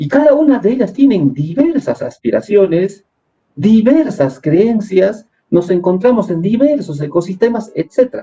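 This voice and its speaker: This man speaks at a high pitch with very wide pitch swings, a dark, mellow tone and a fairly slow pace. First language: Quechua (speaking Spanish). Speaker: education specialist. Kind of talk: webinar presentation to teachers.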